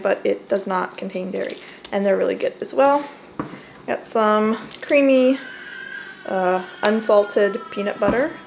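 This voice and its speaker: A young adult American woman narrating a casual, chatty home vlog from her kitchen, recorded on a camera mic. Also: medium pitch. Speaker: home vlogger showing groceries. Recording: clearly noisy home camera audio.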